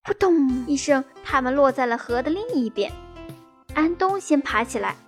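A woman reading a children's story aloud in a slow, gentle and expressive way. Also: high-pitched, faint music behind.

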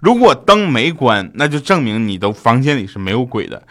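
Male comic host, casual monologue, pitch swings a lot. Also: brisk. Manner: animated storytelling, jumps into quoted voices. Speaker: comedy podcast host.

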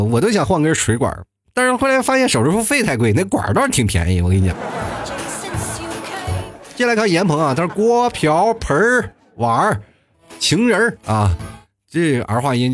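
A man hosting a comedic talk show, reading listener messages and riffing on dialects in a chatty, quick style with frequent tag questions. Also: mid-range voice, faint music behind. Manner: chatty, fast, animated, frequent "是吧" tags and chuckles.

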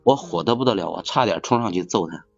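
A man in casual chat, talking haltingly and often repeating his phrases. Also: sits low, expressive, vocal fry. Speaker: podcast speaker, factory assembly worker. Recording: slightly dull, music behind. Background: music.

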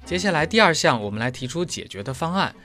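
A man's voice: a little high, sing-song, fast talker, sharp tone, soft background music. A male German teacher explaining pronunciation step by step, leaning on everyday analogies. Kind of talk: explanatory lesson.

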